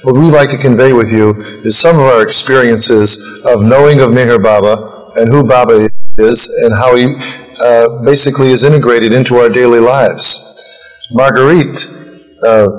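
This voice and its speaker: A man in his forties hosting a television interview, introducing guests and asking questions. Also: mid-range voice. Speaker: host, interviewer. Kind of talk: TV interview presenting. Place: TV studio, indoors. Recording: reverberant 1980s TV studio, music behind.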